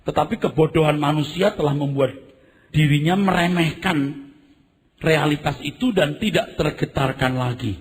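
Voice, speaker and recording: A man's voice: on the high side, moderate pace, in a large hall. A man preaching a sermon, telling vivid stories and acting out screams and sounds, often addressing the congregation directly. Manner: animated storytelling, acts out screams and sounds. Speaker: pastor.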